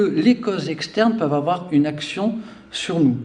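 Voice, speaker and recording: Noticeable background noise accompanies a man whose intonation is lively and whose pace is moderate. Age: 60s. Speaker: Chinese medicine practitioner. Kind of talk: interview.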